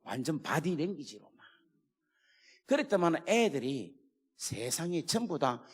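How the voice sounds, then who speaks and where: A man with a Gyeongsang accent preaching a sermon in a church, telling stories and swinging from hushed asides to shouts. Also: fairly high pitch, sing-song, measured pace, husky. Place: church sanctuary. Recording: long hall reverb.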